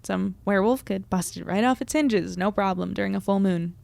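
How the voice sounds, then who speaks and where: A woman's voice: medium pitch, fairly quick, gravelly, a little mellow, dry recording. A woman in her twenties playing an anxious, wry young reporter rambling into an audio diary in a casual, self-deprecating way. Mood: wry, uneasy. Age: 20s. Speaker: narrator and lead character. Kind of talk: audio drama diary monologue, casual and conversational.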